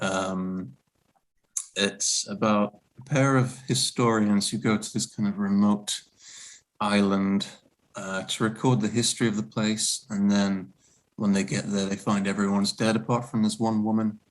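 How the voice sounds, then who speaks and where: Over a quiet background, a man with a Lancashire accent speaks at a fairly low pitch. He keeps a moderate pace and ordinary pitch variation. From northern England, Lancashire. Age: 20s. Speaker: writer. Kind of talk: casual chat. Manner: halting, many fillers.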